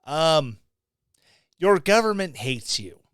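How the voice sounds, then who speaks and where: Middle-aged guy ranting on his podcast, sarcastic, smooth voice, dry close mic at home. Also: fairly high pitch, sing-song, slow, a bit bright, dry recording. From Missouri, USA. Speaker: podcast host. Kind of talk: opinion commentary. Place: small home room. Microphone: studio mic on stand, close.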